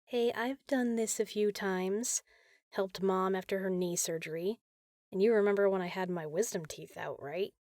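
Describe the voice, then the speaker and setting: A woman playing a caring, teasing big sister in an intimate comfort roleplay, talking softly and casually. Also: mid-range voice, moderate pace, no echo, studio quality, natural voice. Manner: soft, soothing, casual, playful.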